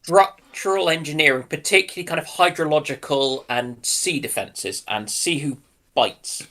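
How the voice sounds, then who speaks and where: A man's voice: on the high side, moderate pace, sharp tone. A man chatting casually on a livestream. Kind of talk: casual chat.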